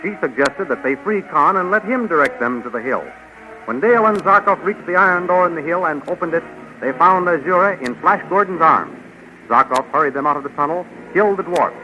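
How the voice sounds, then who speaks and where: A man's voice: fairly high pitch, lively intonation, a little fast, sharp tone. A man announcing and narrating a 1930s radio serial in a formal, declamatory manner. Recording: dull lo-fi 1930s radio recording. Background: music.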